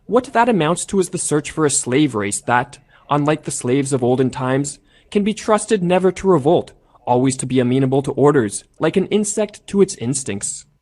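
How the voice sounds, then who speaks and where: A man's voice: fairly high pitch, lively intonation, darkish tone. Formal male documentary narrator. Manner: measured, formal delivery. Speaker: narrator of an essay video.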